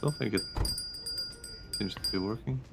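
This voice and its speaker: A man's voice: fairly low pitch, normal speed, creaky, very noisy. A man commenting casually as he plays a game with others. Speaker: gameplay commentator. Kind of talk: casual chat while playing a game.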